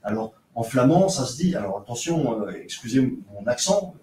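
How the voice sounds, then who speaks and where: A man's voice: mid-range voice, big pitch swings, normal speed, warm tone. A man giving an academic seminar lecture as an archaeologist, explaining with frequent hesitations and fillers. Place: lecture room. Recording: roomy, distant lecture recording with faint noise.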